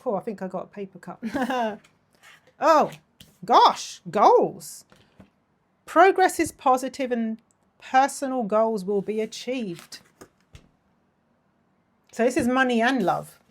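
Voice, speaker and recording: A woman's voice: on the high side, lively intonation, slow pace, long pauses. A woman in her thirties doing a casual tarot reading, gushing and affectionate, her voice worn and partly lost. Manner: gushing, affectionate, with frequent laughs. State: losing her voice. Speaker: tarot reader.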